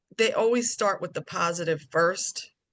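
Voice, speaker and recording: A woman with a strong Long Island accent speaks fairly slowly in a fairly low pitch against a quiet background. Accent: Long Island accent, strong by her own account. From Long Island, New York. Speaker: real estate agent. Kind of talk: webinar panel discussion.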